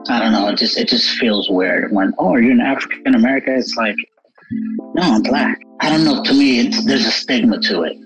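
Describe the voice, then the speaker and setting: A man's voice: medium pitch, brisk, fairly bright tone. A man from New York City, a guest on a podcast, speaking earnestly and frankly in a candid conversation. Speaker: interview guest. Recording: dull lo-fi audio with music behind.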